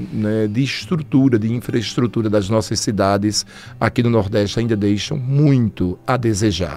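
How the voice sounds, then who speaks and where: His voice is fairly low for a man, with ordinary pitch variation. He keeps a moderate pace and very even loudness. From Pernambuco, Brazilian Northeast. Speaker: Carmelite friar. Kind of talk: radio interview. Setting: radio studio.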